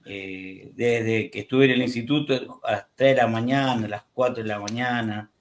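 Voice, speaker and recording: A man in his fifties from Argentina, a guest talking about himself in a relaxed, friendly way over a video call. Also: medium pitch, moderate pace. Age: 50s. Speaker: interview guest. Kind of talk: casual conversation.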